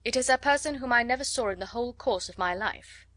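A wry middle-aged gentleman, voiced by a woman reader, calm and measured, with dry teasing under his words. The voice stays fairly high and sits close and dry to the mic. He is a storybook father who enjoys his own jokes. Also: dry recording. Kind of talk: audiobook character voice.

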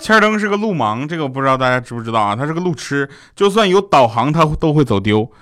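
A man's voice: medium pitch, big pitch swings, quick pace, over music. A man hosting a radio show, telling a string of short jokes and acting out quoted voices. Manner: jokey, acts out quoted voices. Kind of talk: comic monologue of jokes.

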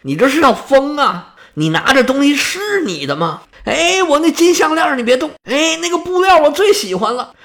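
A man voicing a fretful old queen, a grieving mother who scolds and pleads in a shrill voice. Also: big pitch swings, moderate pace, bright, forceful tone, breathy edge, exaggerated voice. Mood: indignant.

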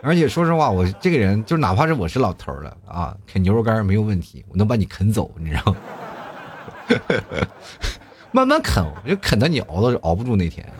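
A man's voice: fairly low pitch, huge pitch swings, quick pace, few pauses, slight background noise. A middle-aged man hosting a casual chat show, reading listener messages aloud and teasing them with jokes and laughter. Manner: joking, teasing, often laughing.

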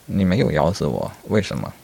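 A man's voice: low voice, sing-song, a little fast, creaky, a little mellow, slightly rough, heavily acted. A man telling a story and voicing a talkative male rabbit who reasons earnestly about the meaning of his life before death. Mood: earnest musing.

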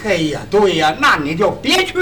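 A man's voice: high-pitched, big pitch swings, normal speed, bright, forceful tone, recorded from a distance, slight background noise. A man acting as the straight man in a comic crosstalk act, answering with short interjections and quizzical questions. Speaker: comic sidekick feeding lines.

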